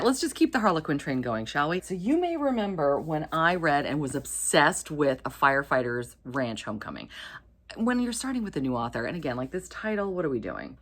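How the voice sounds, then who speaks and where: A woman hosts a casual book vlog in a fairly low voice. Her intonation moves up and down a lot as she talks. She is enthusiastic and gushing, dropping playful asides as she chats. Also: fairly bright tone. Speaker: book video channel host. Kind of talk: casual vlog chat about romance books.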